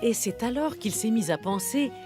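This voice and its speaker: A woman playing a gentle storyteller, narrating a children's cartoon in a tender, expressive way. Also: on the high side, normal speed, over music, close to an everyday voice. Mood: gentle storytelling. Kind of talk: scripted narration for small children.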